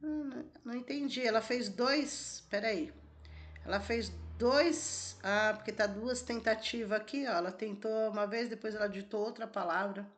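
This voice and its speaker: A woman's voice: a little high, moderate pace. A woman teacher, walking students through an exam question step by step and asking them questions. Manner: explains step by step, asks the class questions. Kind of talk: exam-prep lesson walkthrough.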